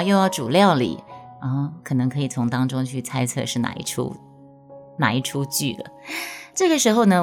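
A woman's voice: low voice, darkish tone. A middle-aged woman with a Taiwanese Mandarin accent hosting her own podcast, reading a personal essay in a playful, self-mocking way. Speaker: podcast host.

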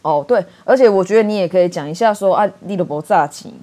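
A woman's voice: fairly low pitch, fast talker, dark tone. A woman with a Taiwanese Mandarin accent, chatting casually in a blunt, teasing way. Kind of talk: casual chat.

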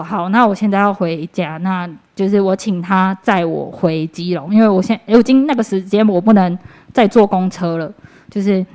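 A young woman with a medium-pitched, darkish voice and a Taiwanese Mandarin accent gives a personal church testimony. She speaks earnestly and conversationally, with fillers and restarts.

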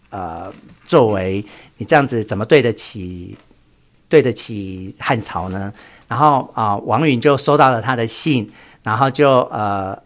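Man, casual storytelling host, chatty, mid pitch. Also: fairly bright tone. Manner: chatty, hesitant with fillers.

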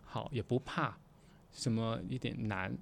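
Male interview guest, mid-pitched, conversational and halting, drops in English words. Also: vocal fry, a little hiss or hum. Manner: halting, repetitive, mixing English words into Mandarin.

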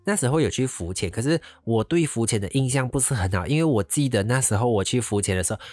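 A young man from Malaysia, casually telling a personal story as host, animated and sprinkling in English words. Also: medium pitch, dry recording, faint music behind. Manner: animated, mixes English words into Mandarin, drawn-out exclamations.

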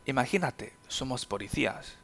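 A man whose first language is Chinese teaches a podcast language lesson, explaining words patiently and saying example sentences slowly and carefully. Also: mid-range voice, lively intonation, gravelly, fairly bright tone.

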